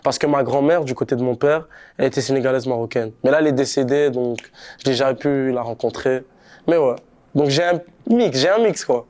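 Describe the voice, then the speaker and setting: A man's voice: medium pitch, brisk, a little mellow. Laid-back young man rapper, slangy. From Montreal, Canada. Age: young adult. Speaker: rapper being interviewed. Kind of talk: casual interview chat.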